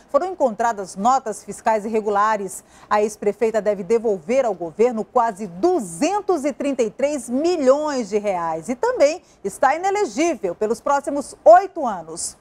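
A young female news anchor with a northern Brazilian accent, reading in a crisp, formal way in a TV studio on a lapel mic. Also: fairly high pitch. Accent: Brazilian Portuguese, northern.

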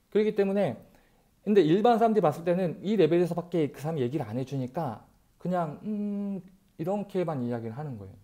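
A man in his thirties, a channel host, gives casual advice to camera in an animated way, using rhetorical questions and speaking into an earphone mic in a bright room. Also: on the high side. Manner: animated, gestures a lot, talks directly to viewers with rhetorical questions. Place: bright room by a window, indoors. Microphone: wired earphone mic.

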